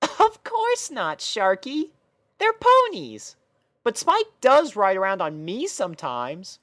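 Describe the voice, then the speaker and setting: Casting: male narrator as bubbly young cartoon pony princess, very high squeaky voice, swooping and eager. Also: huge pitch swings, slow, sharp tone, no echo, studio quality, exaggerated voice. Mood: playful. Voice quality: squeaky falsetto. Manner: eager, chirpy.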